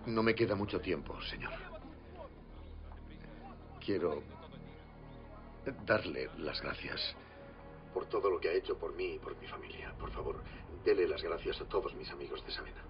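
A man's voice: low voice, normal speed, long pauses. An actor playing a courteous hotel manager and father who pleads under pressure, in a film dub. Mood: grave. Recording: dull film soundtrack with loud music.

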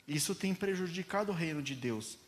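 A pastor delivering a sermon in a gentle, deliberate voice that sits slightly high for a man. He speaks slowly, as he himself says, to weigh each word, and keeps addressing the congregation as dear ones. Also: animated. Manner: slow, gentle delivery addressing listeners as "queridos".

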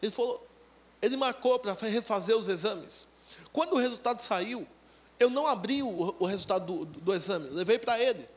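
A man with a very high voice gives a sermon testimony at a church service. He talks through the story casually, slipping into the voices of the people in it as he acts out their exchanges. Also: animated, fairly quick. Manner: conversational storytelling, acting out dialogue. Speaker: preacher.

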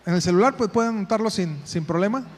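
A man's voice: high voice, quick pace, slight background noise. A man with a Mexican accent leading parents through a live group exercise, giving instructions and calling people by name. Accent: Mexican Spanish. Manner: directive, calls people by name, repeats instructions. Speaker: workshop facilitator for parents. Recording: reverberant hall sound.

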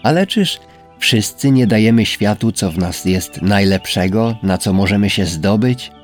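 A man voicing a gentle, humble female rose in a storybook reading, speaking softly and tenderly, in a voice raised well above his own. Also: on the low side, expressive, unhurried. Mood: earnest. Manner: soft, wondering, tender. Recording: faint background music.

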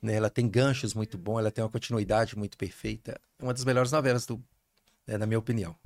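A man from Brazil, a screenwriter guest in an interview, speaking calmly and reflectively, trailing off quietly. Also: fairly low pitch, fast, dry recording. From Brazil, Belo Horizonte. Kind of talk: interview conversation.

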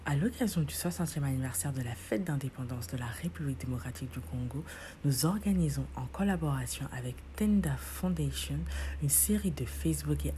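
A woman's voice: rumbling low, dark tone, slight background noise. A woman hosting a casual live online interview, recorded on a live stream.

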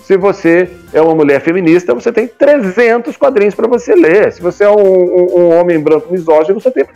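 A Brazilian man in his fifties speaks in a somewhat high register. He talks casually, in a colloquial way, checking in with the listener as he goes. The recording is slightly dull, with music playing behind him. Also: lively intonation, a little fast, mellow. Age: 50s. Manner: talkative, colloquial, often seeks agreement with tag questions. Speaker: guest, comics publisher. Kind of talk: casual conversational interview talk.

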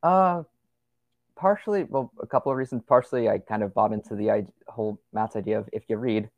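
A man's voice: on the low side, brisk, no echo, highs cut off. A young man as a podcast guest, chatting casually and rambling with lots of fillers and restarts. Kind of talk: casual conversational interview.

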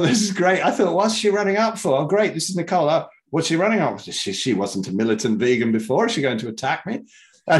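Rambling, chatty male podcast host. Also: lowish voice. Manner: rambling, repeats words and restarts. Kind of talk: casual interview chat.

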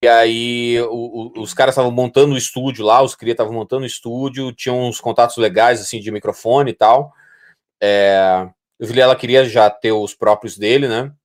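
A man's voice: mid-range voice, fairly even intonation, moderate pace. A man with a Brazilian Portuguese accent in casual podcast conversation, informal and slangy, often repeating phrases. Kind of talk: casual podcast chat and anecdote.

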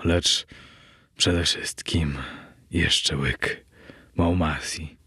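A man's voice: rumbling low, steady tone, extremely slow, pushed and bright, husky, no room sound, clean studio sound, full character voice. Man voicing a tipsy wine connoisseur. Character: tipsy boastful male wine connoisseur, coughing.

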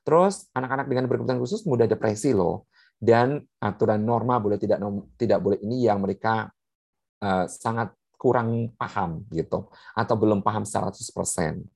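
A woman's voice: a bass voice, normal speed, vocal fry, a little mellow, husky, no echo. A woman gives a seminar talk, explaining points one by one many fillers. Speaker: speaker on puberty in children with special needs.

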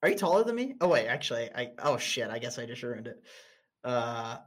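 A man's voice: medium pitch, sing-song, fairly quick, a bit bright. Young man, casual stream chat, blunt, laughs a lot, stumbles over words.

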